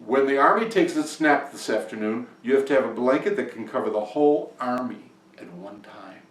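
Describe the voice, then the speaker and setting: Man putting on an imperious, loud storybook king. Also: medium pitch, expressive, normal speed, echoey room, recorded from a distance, lightly acted. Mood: commanding. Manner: emphatic, loud, phrase-by-phrase commands. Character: imperious, demanding male folktale king, easily exasperated.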